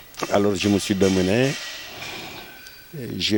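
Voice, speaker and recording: Very deep, low male voice at a very slow pace amid noticeable background noise. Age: 70s. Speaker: inventor. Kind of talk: interview. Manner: halting, many fillers and repetitions.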